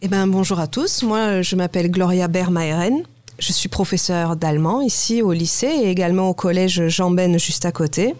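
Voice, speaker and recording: A woman's voice: on the low side, moderate pace, a little mellow, no echo. A woman from Germany who teaches German, answering interview questions thoughtfully and searching for words. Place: high school.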